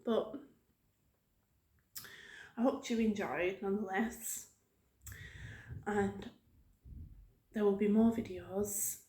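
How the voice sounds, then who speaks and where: Soft-spoken woman rambling in a roomy echo. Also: medium pitch, steady tone, takes it slowly, pauses often. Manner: hesitant, rambling, informal. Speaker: YouTube host. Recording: roomy, echoing room sound.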